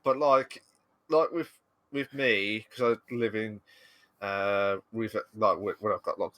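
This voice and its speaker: A man's voice: on the low side, steady tone, slow pace, fairly bright tone, no room sound. A man with a Black Country accent from the English West Midlands, chatting casually as a guest with lots of fillers and restarts. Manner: rambling, hesitant, many fillers. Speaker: podcast guest. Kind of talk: casual video-call chat.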